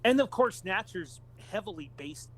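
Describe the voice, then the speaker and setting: A man with a high-pitched voice chats as a podcast co-host. He speaks casually and informally, with offhand swearing, in a conversational gaming-talk style. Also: expressive, normal speed.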